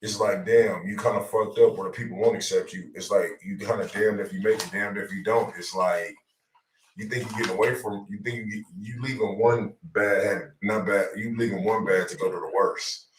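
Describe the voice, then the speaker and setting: A man's voice: fairly low pitch, steady tone, normal speed, distant mic, a little hiss or hum. A man co-hosting a casual talk show, telling stories in slangy, profane, repetitive speech, recorded in a roomy space away from the mic. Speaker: radio show co-host. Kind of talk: casual chat.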